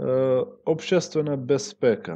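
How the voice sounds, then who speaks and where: The voice has a dark, mellow tone and a Transcarpathian accent. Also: man. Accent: Transcarpathian Ukrainian. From Zakarpattia, Ukraine. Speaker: gaming YouTuber. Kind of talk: game commentary.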